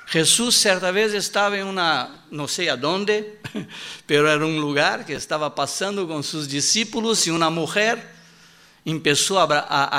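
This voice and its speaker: A male preacher, a native Portuguese speaker, delivering a sermon in halting Spanish with Portuguese words mixed in, repeating his key line with emphasis and acting out the quoted voices. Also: fairly high pitch, sharp tone.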